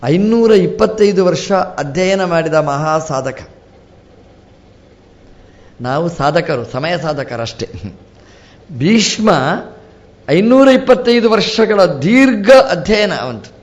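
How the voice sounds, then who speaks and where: A man, a swamiji, giving a storytelling religious discourse with lively rises and drops and acted-out dialogue. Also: high voice, slow, pauses often, highs cut off. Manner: animated, rising and falling sharply, quoting characters in dialogue. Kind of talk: storytelling sermon.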